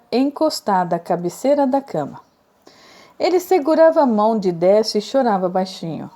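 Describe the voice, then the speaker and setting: Female audiobook narrator, mellow warm tone, measured even reading. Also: mid-range voice.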